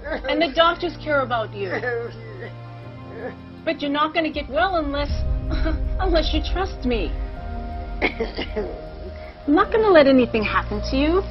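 A caring, firm female nurse with a high voice. She speaks in screen-drama style with music clearly behind her. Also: lively intonation, measured pace, long pauses, muffled recording. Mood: caring, insistent.

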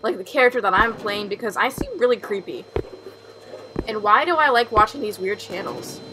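Brief: young woman streamer, nervous and giggly, headset mic, some background noise, middle pitch. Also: lively intonation, normal speed. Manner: nervous, giggly, full of questions. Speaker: gaming streamer. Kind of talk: horror game let's play commentary.

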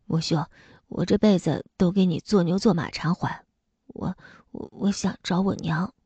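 A woman voicing a troubled young son in an audiobook, speaking low and pleading. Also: animated, moderate pace, vocal fry, a little mellow, husky, dry recording, lo-fi sound, full character voice. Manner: subdued, pleading. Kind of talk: audiobook character voice.

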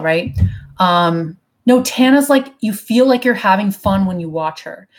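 A woman in her thirties talks to her live-stream viewers from her apartment living room, picked up by the webcam at her desk. Her voice sits a little on the low side for a woman, and she speaks frankly and casually, swearing without a second thought. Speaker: vlogger answering live chat. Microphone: webcam mic at desk.

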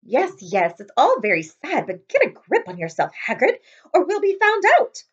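A woman's voice: high voice, wildly swooping pitch, moderate pace, highs cut off, voice pushed up. A woman voicing a stern, worried older female professor in a storybook, urgent and reproving. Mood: scolding.

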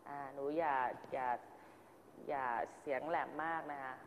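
A woman's voice: low-pitched, steady tone, a little slow, slight background noise. A woman teaching a drama class, giving students direct, corrective notes on their performance. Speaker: acting teacher. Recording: dull, echoey hall sound.

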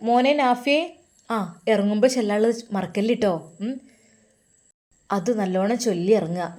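A woman's voice: mid-range voice, warm tone, close to an everyday voice. A woman voicing a loving older Muslim mother who fusses over her children and comforts them. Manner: doting, coaxing, blessing her children.

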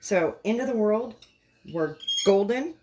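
A middle-aged woman hosting a casual home interview, relaxed and reflective, laughing often. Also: mid-range voice, unhurried, background noise. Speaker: host.

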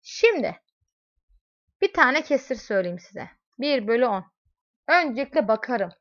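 A woman's voice: fairly high pitch, very animated, measured pace, a bit bright. A woman teaching a math lesson, explaining with everyday examples and asking her students questions as she goes. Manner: talks directly to students in second person. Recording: dull lo-fi recording.

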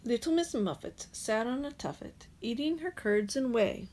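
A woman teacher reading a children's picture book aloud, slowly and clearly, with sing-song rhymes. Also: on the high side, lively intonation, a little mellow.

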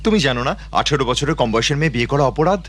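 Cartoon lead: a man playing a reasoning young student son, quick and lively. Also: medium pitch, slight background noise, close to an everyday voice. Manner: calm, reasoning, respectful.

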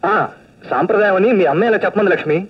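A huffy young village man who argues back fast in a husky, raised voice. He is defiant and easily irritated. The sound is dull and lo-fi. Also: high-pitched. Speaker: young man, brother of the aunt.

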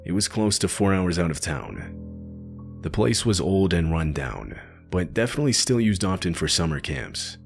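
A man narrating first-person horror stories in a slow, grave storytelling manner. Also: low voice. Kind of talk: scripted narration.

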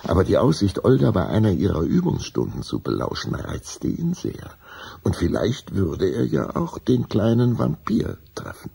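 A man narrating a children's radio play in a gravelly voice, as a scripted storyteller. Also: on the low side, warm tone.

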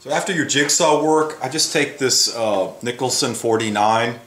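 A man's voice: medium pitch, normal speed. Male woodworking host, fifties, folksy rambling delivery, recorded in a reverberant shop with noticeable work noise. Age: 50s. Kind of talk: casual hands-on demonstration talk. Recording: echoey workshop with tool and rubbing noise.

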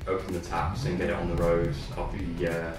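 Deep-voiced Englishman in an echoey room. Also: monotone, fairly quick. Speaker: interviewee, car owner. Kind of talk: casual chat while playing a video game. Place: living room, indoors. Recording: echoey room, distant mic, faint music.

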